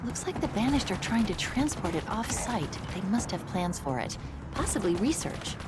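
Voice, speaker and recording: An actress playing an upbeat young female military AI companion in a video game, briefing in a brisk, chatty, eager way. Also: medium pitch, very animated, close to an everyday voice. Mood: briefing, curious. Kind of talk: video game mission dialogue. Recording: loud game music behind.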